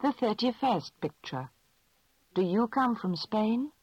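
A woman asking measured, clearly spoken questions in a scripted language lesson drill. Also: fairly high pitch, lively intonation, darkish tone, no echo. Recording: dull lo-fi dry recording.

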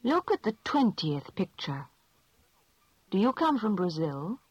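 A woman asking measured, clearly spoken questions in a scripted language lesson drill. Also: medium pitch, very animated, darkish tone, a little hiss or hum. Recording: dull lo-fi dry recording.

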